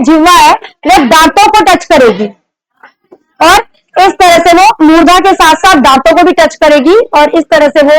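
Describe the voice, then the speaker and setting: A woman's voice: very high voice, low-quality recording. A woman teacher giving a classroom lecture on grammar, explaining step by step, repeating examples and putting questions to her students.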